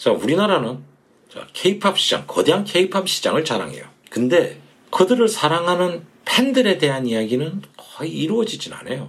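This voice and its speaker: At a moderate pace, a man speaks at a high pitch with very wide pitch swings. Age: 40s. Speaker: podcast host and beatmaker. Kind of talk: scripted solo podcast monologue. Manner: casual, frequent laughs.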